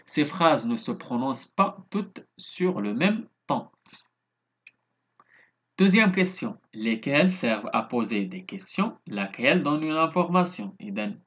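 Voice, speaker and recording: A Moroccan-accented male teacher walks through a grammar lesson, his voice husky with a breathy edge. He reads each textbook sentence slowly and carefully, then darts into fast explanatory asides. His pitch sits at an ordinary middle for a man. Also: fairly bright tone. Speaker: primary school teacher. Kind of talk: recorded grammar lesson walkthrough.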